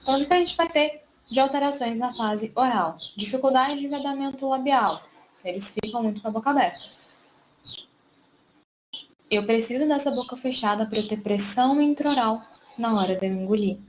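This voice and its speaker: Brazilian woman, speech therapist lecturing online; measured, fairly high voice that slows on key terms. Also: a little hiss or hum, rough recording. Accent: Brazilian Portuguese. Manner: explanatory, stretches key words slowly.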